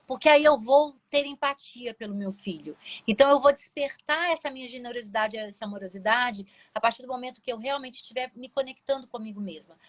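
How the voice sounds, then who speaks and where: A Brazilian woman hosting a live stream, speaking directly to her viewers in a gentle, coaxing way. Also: a little high, brisk, few pauses, no echo. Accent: Brazilian Portuguese. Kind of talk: casual live-stream talk.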